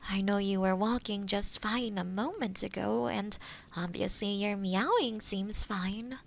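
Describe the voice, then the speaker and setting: A woman playing a kind, gentle forest witch in an audio roleplay, speaking softly and soothingly to the listener. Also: mid-range voice, vocal fry. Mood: caring, checking. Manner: soothing, caring, softly breaking into whispers. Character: kind, gentle forest witch who loves helping others.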